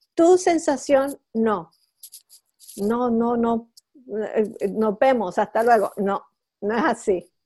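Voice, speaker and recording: Using a dark, mellow tone and lively intonation, a woman with a fairly high pitch speaks at a very slow pace with long, frequent pauses. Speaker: meditation teacher. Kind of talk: guided meditation. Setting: video call. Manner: slow, calm, gentle, unhurried with pauses.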